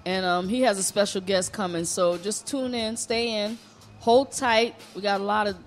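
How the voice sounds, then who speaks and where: A man's voice: high-pitched, steady tone, normal speed, faint music behind. A male radio host chatting loosely and joking around, leaning heavily on "you know" and "like". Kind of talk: casual radio banter.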